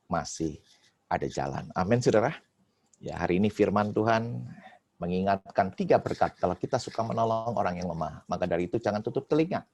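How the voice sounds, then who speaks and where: A man preaching a sermon as a pastor, telling a story in a lively way and often turning to his listeners. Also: deep voice, gravelly, husky, dry recording. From Indonesia.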